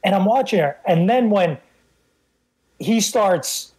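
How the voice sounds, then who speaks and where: New guy in his 50s, breathy voice, earnest, keeps restarting his sentences. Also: high-pitched, animated, takes it slowly, a little mellow, low-quality recording. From the Bronx, New York. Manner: earnest, reminiscing, repeats words as he starts sentences. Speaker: guest host. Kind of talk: casual podcast chat.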